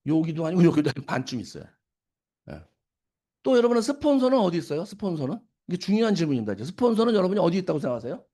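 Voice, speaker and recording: Middle-aged man, seminar speaker, rapid delivery, higher voice, quizzes the audience. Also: mellow. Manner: asks the audience questions and answers them himself; acts out quoted scolding lines. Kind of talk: lecture to an audience.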